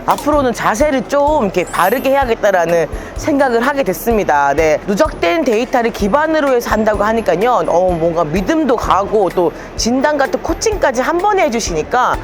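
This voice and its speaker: Woman doing an on-site vlog report, really animated voice, music playing behind her. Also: a little high. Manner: reactive, quick to interject in agreement. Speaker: vlog host. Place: large indoor exhibition hall with demo booths. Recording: music behind, busy exhibition venue.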